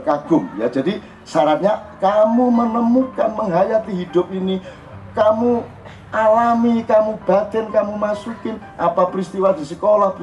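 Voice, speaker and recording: An older man with a Javanese accent giving an informal religious talk, jokey and animated. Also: high-pitched. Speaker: religious speaker. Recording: dull lo-fi recording with faint music.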